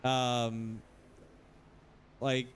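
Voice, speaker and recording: A man's voice: medium pitch, flat delivery, drawn-out words, clear, resonant tone. Rambling, cursing streamer guy. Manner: rambling, repetitive, swears freely. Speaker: sim racing streamer. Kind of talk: casual livestream rant.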